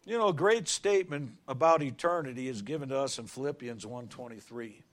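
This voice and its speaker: A middle-aged male pastor preaching a sermon in a folksy, animated way, shouting on key words and telling everyday stories. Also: medium pitch, fairly quick.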